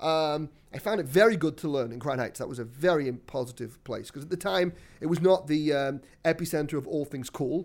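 On a very clean recording with a silent background, a man with an American accent and a fairly high pitch talks at a fairly quick pace with ordinary pitch variation. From England, Manchester. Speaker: rabbi and author. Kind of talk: casual interview chat.

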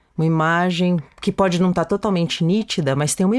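On a very clean recording with a silent background, a woman with an unremarkable speaking voice talks at a fairly quick pace, her fairly low pitch showing ordinary variation. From southern Brazil, Curitiba. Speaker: podcast co-host, actor discussing theater. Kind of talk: casual educational chat.

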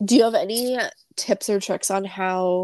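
A normal speaking voice moves at a fairly slow pace with fairly even intonation, the sound dry and close with no echo. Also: woman. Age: 20s. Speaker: podcast host and social worker. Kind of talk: interview.

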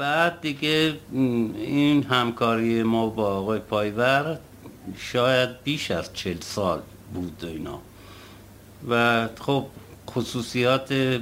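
A man with a medium pitch and ordinary pitch variation goes at a very slow pace, leaving long, frequent pauses. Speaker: ney player in orchestra. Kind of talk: interview, reminiscing.

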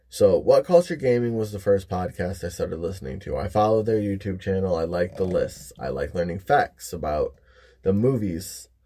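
Over a silent background in a very clean recording, a man with a Midwestern American accent uses a dark, mellow, fairly low voice, lively intonation and a moderate pace. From Michigan, US. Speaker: podcast host. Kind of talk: casual monologue. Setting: home recording in a closet with headphones.

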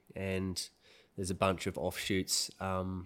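Speaking with an Australian accent, a man's voice sits fairly low. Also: very clean recording, silent background. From Australia, Sydney northern beaches and Sunshine Coast. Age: 40s. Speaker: professional surfer. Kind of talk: casual chat. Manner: halting.

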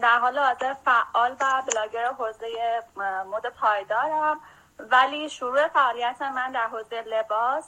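The tone is bright and sharp, with fairly even intonation. The delivery comes at a fairly slow pace. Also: woman, high pitch for a woman. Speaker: costume designer and fashion blogger. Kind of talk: interview. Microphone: voice too quiet.

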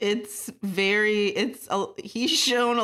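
A woman talks in an animated tone over noticeable background noise. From Ukraine. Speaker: podcast co-host recapping reality TV. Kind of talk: casual comedic chat. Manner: animated, laughs often.

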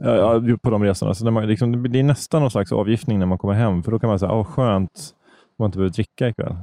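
Very fast speech from a man with a dark, mellow tone and fairly low pitch, ordinary pitch variation and very even loudness, in a dry, close recording with no echo and a quiet background. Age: middle-aged. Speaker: comedian and podcast co-host. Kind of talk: casual chat.

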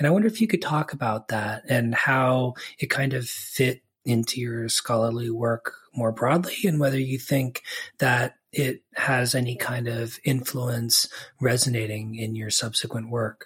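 A man with an American accent uses a normal speaking voice at medium pitch. He goes at a fairly slow pace with ordinary pitch variation. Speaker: podcast host and law professor. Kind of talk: casual interview.

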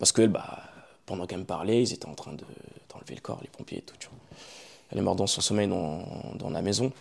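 This man's speech runs fairly quickly. That pace holds through the clip. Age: 30s. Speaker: street workout athlete. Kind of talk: casual chat. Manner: animated.

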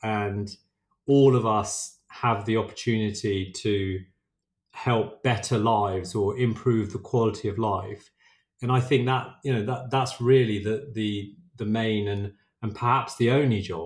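Somewhat breathy and fairly low in pitch, this man speaks at a fairly slow pace with fairly even intonation over a quiet background. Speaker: agency CEO and co-founder. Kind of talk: interview. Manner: halting, with frequent repetitions.

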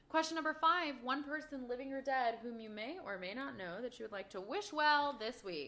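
The voice is raised and projected, with a bright, sharp tone, lively intonation, big swings in loudness and a moderate pace. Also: woman, high pitch for a woman. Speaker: podcast co-host. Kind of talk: casual chat.

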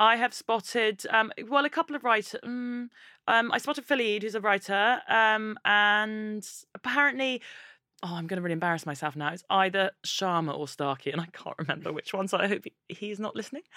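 Over a dry, close sound with no echo, a woman talks at a fairly quick pace with a fairly high pitch and a bright, sharp tone. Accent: London. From London. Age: 30s. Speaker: novelist and journalist. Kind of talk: casual chat.

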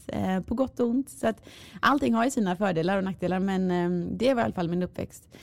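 Speaking very fast, a woman uses a medium pitch and a dark, mellow tone, with ordinary pitch variation. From Gothenburg, Sweden, then raised in USA. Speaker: social impact company strategist. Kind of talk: interview. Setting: hotel room.

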